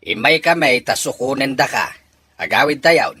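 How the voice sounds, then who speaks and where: A man playing a raspy, forceful, irritated father. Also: medium pitch, normal speed, dry recording. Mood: demanding. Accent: Filipino, Ilocano. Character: gruff, irritated, domineering father. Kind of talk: radio drama acting.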